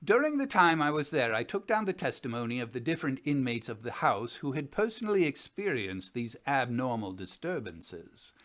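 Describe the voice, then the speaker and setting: A man in his sixties playing a gentlemanly Edwardian scientist, formally reading out his chronicle of a ghost investigation. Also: mid-range voice. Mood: formal, assured. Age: 60s. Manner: formal, measured, expressive. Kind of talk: dramatic reading of a written chronicle. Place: indoors, home study.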